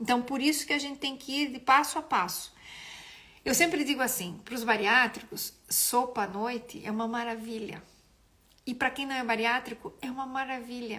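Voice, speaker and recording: A woman's high-pitched voice, bright and sharp in tone, at a moderate pace. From Brazil. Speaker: nutritionist. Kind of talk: live-stream talk. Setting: live video stream.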